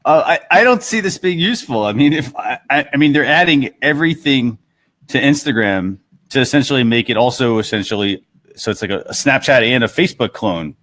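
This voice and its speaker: A man's voice: mid-range voice, lively intonation, fairly quick, a bit bright. A man co-hosting a casual panel discussion, explaining his view with some hesitant starts. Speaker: talk show co-host.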